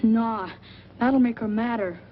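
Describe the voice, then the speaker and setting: A man's voice: very high-pitched, takes it slowly, exaggerated voice. A young boy actor playing a frank, mischievous small-town boy in a muffled, noisy 1940s film. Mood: sulky. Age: child.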